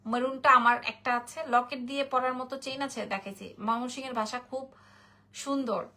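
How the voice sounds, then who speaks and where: A woman's voice: sits high, steady tone, moderate pace, pushed and bright. A sleepy woman with a Bangladeshi Bengali accent, chatting through a live-stream jewelry sale, repeating prices and reading out viewer comments. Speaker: online jewelry seller. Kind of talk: live-stream sales pitch.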